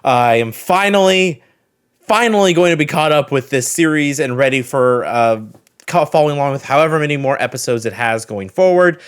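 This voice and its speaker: A man's voice: a little high, animated, fairly quick, smooth. A man hosting a reaction video with casual, rambling commentary.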